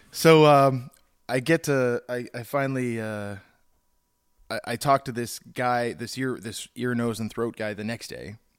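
A man with an ordinary speaking voice talks at a medium pitch and a fairly slow pace, with fairly even intonation and big swings in loudness. The recording is very clean, with a silent background. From Canada. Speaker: former podcast audio engineer. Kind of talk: casual chat.

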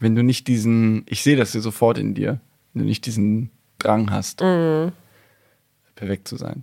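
Recorded very cleanly with a silent background and a dry, close sound with no echo, a man with a medium pitch and a dark, mellow tone speaks at a fairly slow pace, showing ordinary pitch variation and taking long, frequent pauses. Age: 30s. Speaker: podcast co-host. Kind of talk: casual chat.

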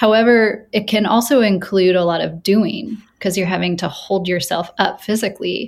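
A woman with an unremarkable speaking voice talks at a medium pitch and a moderate pace. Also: very clean recording, silent background. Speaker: mindfulness trainer and author. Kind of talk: interview, explanatory chat.

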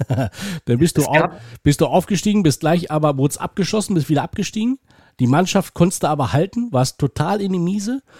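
In a very clean recording with a silent background and a dry, close sound with no echo, a man with a high pitch talks at a fairly quick pace with lively intonation. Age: 40s. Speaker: football podcast co-host. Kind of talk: casual chat.

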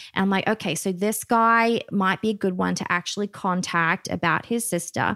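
A woman with an Australian accent, medium pitch and a bright, sharp tone, fairly even intonation, very even loudness and hardly any pauses, dry and close with no echo. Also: moderate pace, very clean recording, silent background. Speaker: true crime podcaster. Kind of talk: casual interview chat.

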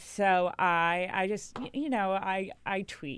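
With an American accent and lively intonation, a woman speaks at a medium pitch in an unremarkable speaking voice, on a very clean recording with a silent background. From North Carolina. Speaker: political writer and lawyer. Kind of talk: casual political chat.

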